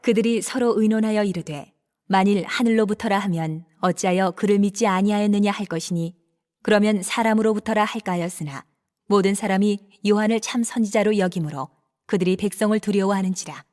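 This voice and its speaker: Female narrator for dramatized scripture, mid-range pitch, formal and measured delivery. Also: darkish tone.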